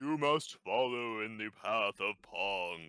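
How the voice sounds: A man puts on a booming character voice at a medium pitch. He delivers it at a fairly slow pace.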